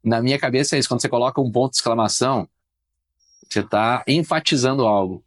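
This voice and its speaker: This mid-range male voice belongs to a journalist guesting on a relaxed podcast. He rattles off stories at a fast clip, voicing strong opinions with plenty of emphasis.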